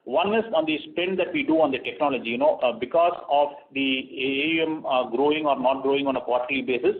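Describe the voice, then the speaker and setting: Man on a tinny conference call line. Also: mid-range voice. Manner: measured, with frequent "uh" fillers and restarts. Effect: heard over a conference call line. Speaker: company executive presenting quarterly results. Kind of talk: earnings conference call presentation.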